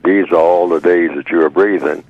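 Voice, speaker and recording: A man in his eighties speaking by phone as a radio guest over a clipped line, slow and measured with halting fillers. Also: sits low, steady tone, no room sound. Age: 80s. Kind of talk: radio call-in talk by phone. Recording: dull, dry phone line.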